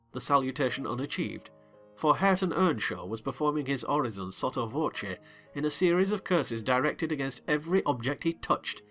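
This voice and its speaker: A man giving an expressive, measured dramatized reading of a classic novel. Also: medium pitch. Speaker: narrator.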